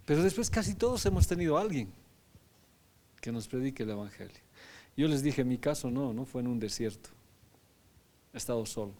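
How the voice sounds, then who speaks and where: A man's voice: mid-range voice, animated, brisk, long pauses, warm tone. A man, a pastor, teaching a Bible lesson in a conversational sermon, often asking his listeners questions and adding tag questions.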